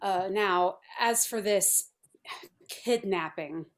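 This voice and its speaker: A woman playing a brisk, haughty feminist artist in a script read, speaking in a formal, clinical, matter-of-fact way. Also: medium pitch, close to an everyday voice. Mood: businesslike, blunt. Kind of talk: table read of a film script.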